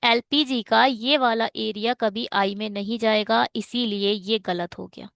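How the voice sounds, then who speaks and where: A woman's voice: fairly high pitch, steady tone, a little slow, creaky, fairly bright tone, dry recording, studio quality. A woman teaching reasoning for bank exams in a chatty online lesson, mixing Hindi and English and ranting at exam setters.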